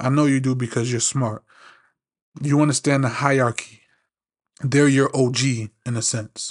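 A man with a New York accent speaks at a medium pitch and a moderate pace, with monotone, flat intonation and long, frequent pauses, in a dry, close sound with no echo against a quiet background. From New York City. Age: 30s. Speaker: podcast host. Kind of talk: motivational monologue. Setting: studio. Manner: casual.

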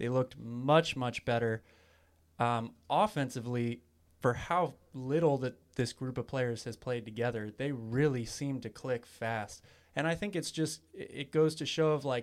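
A man's unremarkable speaking voice at medium pitch, with ordinary pitch variation, a moderate pace and a very clean recording over a silent background. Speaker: sports podcast co-host. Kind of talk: casual postgame chat.

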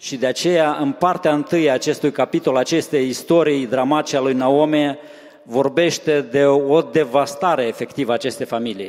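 A man with a normal speaking voice, fairly high-pitched, at a moderate pace, with ordinary pitch variation. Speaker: interpreter. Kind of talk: consecutive interpreting of a sermon. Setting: church.

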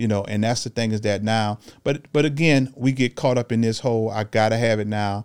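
A man with a medium-pitched voice talks fairly briskly, his intonation fairly even. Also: dry, close sound with no echo. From US South, New Orleans. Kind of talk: casual interview.

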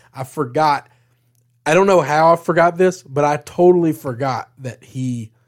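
This man has a normal speaking voice, pitched fairly high, with lively intonation at a moderate pace. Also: big swings in loudness. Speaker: podcast host. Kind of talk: casual banter.

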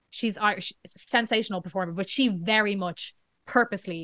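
A woman speaks with a Dublin accent against a quiet background. Her medium-pitched voice sounds bright and sharp, with fairly even intonation. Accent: Dublin Irish. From Ireland, Dublin. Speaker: singer-songwriter and composer. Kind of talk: interview.

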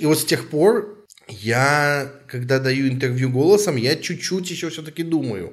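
A normal speaking voice carries ordinary variation in pitch. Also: man. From Russia, Novgorod region. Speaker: podcast host, digital worker. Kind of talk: casual interview chat. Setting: home office.

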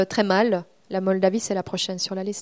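A woman at a moderate pace on a very clean recording with a silent background. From Switzerland, Vaud (Gros-de-Vaud). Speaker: author and humanitarian worker. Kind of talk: public talk and interview.

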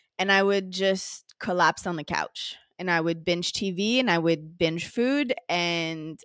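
A woman speaks with a plain, everyday voice at a medium pitch. Her pitch varies normally, and the recording is very clean with a silent background. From Montreal, Canada. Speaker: yoga teacher and coach. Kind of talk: interview, personal story.

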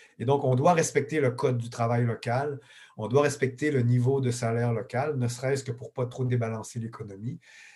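A man speaks at a medium pitch and a fairly quick pace, his dark, mellow tone somewhat breathy, with fairly even intonation on a very clean recording against a silent background. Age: 50s. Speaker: lecturer and former humanitarian worker. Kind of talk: interview. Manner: halting, many repetitions.

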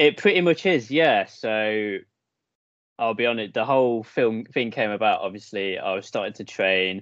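Over a quiet background, a man with a plain, everyday voice talks at a moderate pace in a medium pitch, his intonation lively. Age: 30s. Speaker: professional wrestler. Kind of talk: casual chat.

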